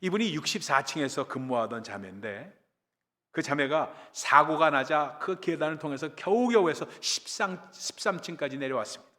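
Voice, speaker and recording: A male pastor preaching a sermon, telling a story with dramatic swings between loud and quiet. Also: fairly high pitch, lively intonation, moderate pace, big-room sound.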